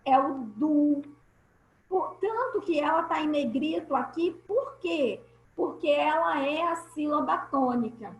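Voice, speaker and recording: A woman teacher with a Brazilian Portuguese accent, giving an online class over a video call, patient and explaining step by step with repeated key points. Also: high-pitched. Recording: echoey room.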